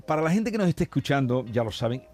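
A man hosting a radio interview asks his guest curious, prompting questions. His voice is dark and mellow, and soft music sits faintly behind him. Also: mid-range voice, very animated, fast. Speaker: radio host.

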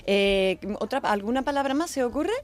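A woman's voice: on the high side, normal speed. A woman with an Andalusian accent, chatting on the radio as a language contributor, explaining word origins with frequent laughter. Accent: Andalusian Spanish. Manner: lively explainer, laughs often. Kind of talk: casual radio chat.

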